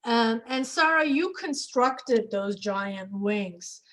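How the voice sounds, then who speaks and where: Unhurried woman moderating a conversation. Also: fairly high pitch, animated, a bit bright. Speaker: interviewer, moderator. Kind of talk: conversational panel interview.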